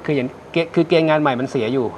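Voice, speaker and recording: A man's voice: fairly high pitch, rapid-fire, slight background noise. A man hosting a live call-in astrology show, reassuring callers and repeating his key points. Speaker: astrologer host. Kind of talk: live call-in fortune reading.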